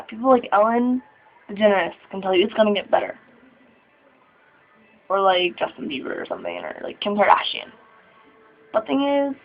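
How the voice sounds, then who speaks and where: Nervous young trans man, gravelly and tinny. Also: high voice. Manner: nervous, halting, with sighs and laughs. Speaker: vlogger. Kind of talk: personal confessional vlog. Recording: tinny phone-like sound.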